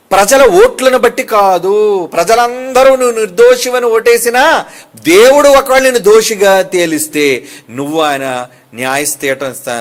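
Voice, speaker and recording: A man preaching a sermon as pastor, emphatic and animated, firing rhetorical questions and asides at the crowd. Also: sits high.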